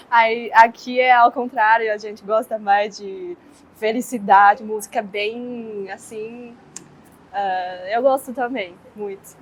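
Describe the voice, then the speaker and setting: A woman's voice: a little high, steady tone, slow pace, breathy edge, low-quality recording. A young woman from China with a Chinese accent, answering interview questions in a hesitant way with many fillers.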